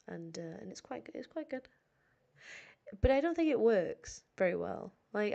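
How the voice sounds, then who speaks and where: Heard on lo-fi audio, a Sheffield woman with a northern accent and a mellow, mid-range, nasal voice chats on a live stream for her English learners. She sounds tired and slightly hoarse, rambling with many fillers and self-deprecating asides.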